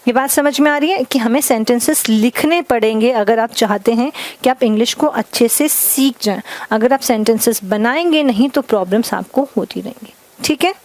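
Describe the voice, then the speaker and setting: Fairly high-voiced woman teaching grammar. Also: darkish tone. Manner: explains slowly with many checks of understanding; mixes Hindi and English. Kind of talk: classroom lesson.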